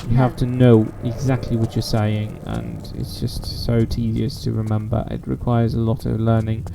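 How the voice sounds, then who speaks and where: A man's voice: mid-range voice, level tone, normal speed, gravelly, noisy background. A young man from Poland with a Polish accent, chatting casually while streaming a game, thinking aloud with frequent restarts. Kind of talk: casual gaming stream chat. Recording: game music playing behind.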